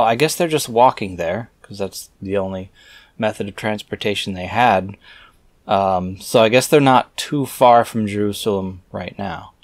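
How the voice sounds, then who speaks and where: A man reading aloud casually, breaking off into halting, musing, skeptical and irreverent commentary. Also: mid-range voice, no echo.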